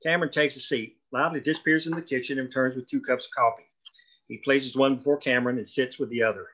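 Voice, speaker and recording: A man's voice: mid-range voice, steady tone, fast, sharp tone, dull audio. A man reading scripted stage directions aloud at a screenplay table read.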